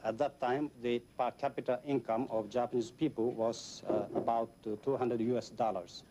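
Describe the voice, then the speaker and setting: Halting male interpreter's translation voice-over. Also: medium pitch, fairly even intonation, noisy background. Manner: halting, frequent pauses with "uh". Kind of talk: spoken interpretation in a documentary.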